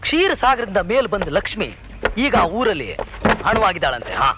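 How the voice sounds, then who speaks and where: A man's voice: high voice, sing-song, normal speed, very noisy. An actor playing a joking young man who teases his friends. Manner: joking, teasing, chuckling. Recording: dull old film soundtrack with music.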